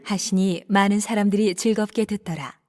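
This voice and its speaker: A woman narrating a dramatized Bible reading with an even, clear storytelling delivery. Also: medium pitch, normal speed.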